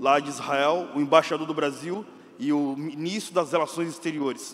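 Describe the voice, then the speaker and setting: With music in the background, a man speaks at a fairly high pitch and a moderate pace, using ordinary pitch variation. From Brazil, Brasília. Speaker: pastor. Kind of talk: sermon.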